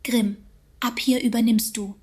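A woman's voice: a little high, steady tone, measured pace, darkish tone, breathy edge. An actress playing a bossy, impatient woman who interrupts and lectures in a radio play. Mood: exasperated, lecturing. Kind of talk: modern satirical radio play.

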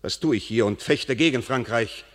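An actor playing a proud, easily offended Burgundian duke in a classical verse radio play, declaiming with indignation. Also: male voice, medium pitch, moderate pace, close to an everyday voice. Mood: indignant. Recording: long reverberant hall sound.

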